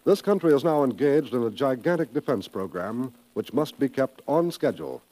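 A man's voice: mid-range voice, animated, moderate pace, dark tone, rough recording. An American man working as a 1950s radio announcer, delivering announcements in a formal, emphatic, urgent manner.

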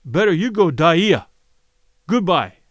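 A fierce young woman speaking halting, broken English, her voice pitched high and pressed loud, as a male audiobook reader puts her on. She talks in blunt, short phrases. The sound is dry and close. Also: very animated, no room sound, heavily acted. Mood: slow, blunt.

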